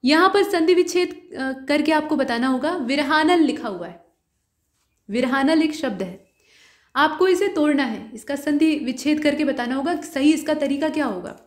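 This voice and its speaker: High-voiced woman explaining test answers. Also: moderate pace, roomy sound. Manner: steady explanatory tone, addresses viewer directly. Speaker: exam prep teacher.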